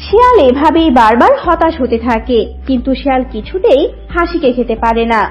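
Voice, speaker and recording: A woman storyteller narrates a children's cartoon. Her voice is high and animated, with soft music underneath. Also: a little fast, highs cut off.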